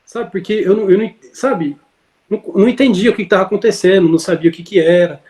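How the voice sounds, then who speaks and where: A high-voiced man tells his story in a loose, conversational way. He circles back, restarts sentences and leans on fillers. The sound comes through a video call. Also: fast, darkish tone. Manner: rambling, many fillers and self-corrections. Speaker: interview guest.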